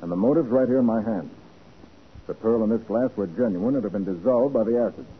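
A man's voice: fairly low pitch, fairly quick, close to an everyday voice. An American man playing a shrewd, self-assured private detective in a 1940s radio drama, explaining things with confident showmanship. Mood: accusing. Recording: muffled, noisy 1940s radio recording.

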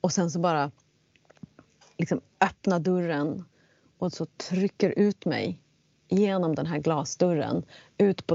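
A woman recounts a personal story in an animated, casual way, slipping into voices for the people she quotes. Her low, gravelly voice sits close and dry on a slightly dull recording. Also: dry recording. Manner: animated, acts out quotes in English. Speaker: guest telling a personal story.

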